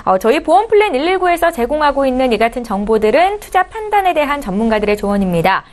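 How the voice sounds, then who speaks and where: A woman's voice: sits high, quick pace. A woman hosting an insurance advice broadcast, speaking in a polite, formal presenter's manner. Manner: polite, formal, lively delivery. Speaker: show host.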